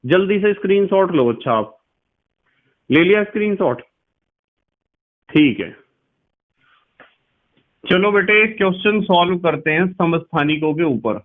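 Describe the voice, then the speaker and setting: A man's voice: high voice, expressive, unhurried, pauses often. A male chemistry teacher giving a patient lecture, repeating key points and quizzing his students. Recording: tinny lo-fi sound.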